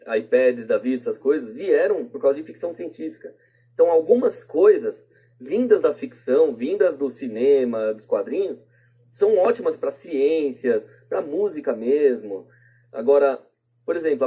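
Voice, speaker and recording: A man with a Brazilian accent and a husky voice, talking casually and informally in a podcast discussion, explaining things through everyday examples. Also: on the high side, mellow. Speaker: podcast debate participant.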